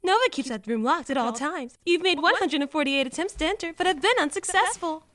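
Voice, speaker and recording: A woman's voice: high-pitched, expressive, fairly quick, a bit bright, slight background noise. A woman playing a polite, literal-minded computer assistant in an audio drama, speaking formally and precisely. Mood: matter-of-fact. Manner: formal, matter-of-fact, precise. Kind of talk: scripted audio drama acting.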